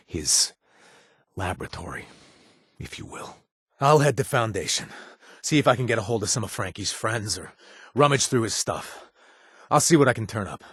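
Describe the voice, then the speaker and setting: A man's voice: on the low side, fairly bright tone, slightly rough, no echo, studio quality, exaggerated voice. An actor playing a wry adult male bartender and former gang member, joking and conspiratorial, in video game voice lines. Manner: joking and conspiratorial, laughs often.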